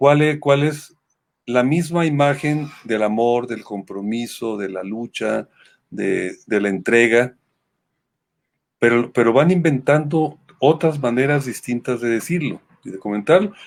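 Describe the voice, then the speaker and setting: A man talks very slowly, his medium pitch rising and falling in an ordinary way. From Mexico. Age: 70s. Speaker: poet. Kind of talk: interview. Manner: halting, many repetitions.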